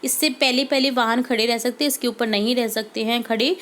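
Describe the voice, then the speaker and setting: A woman, a teacher going through worksheet answers, patiently repeating each answer slowly and mixing in English words. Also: fairly high pitch, fairly even intonation, fairly bright tone.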